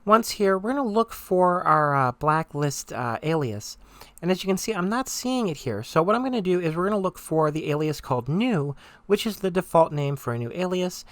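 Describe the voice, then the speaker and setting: A presenter giving step-by-step software tutorial narration in an instructional, conversational manner. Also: mid-range voice, big pitch swings, moderate pace, no echo.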